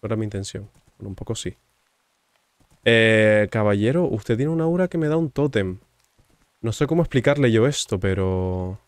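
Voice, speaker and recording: A man talking his way through a game, cracking jokes at the characters and muttering asides. His voice sits at an ordinary pitch and is recorded close and dry, with no room sound. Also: dry recording. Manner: joking, teasing, chatty with game characters. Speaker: gaming streamer. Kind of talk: casual gameplay commentary.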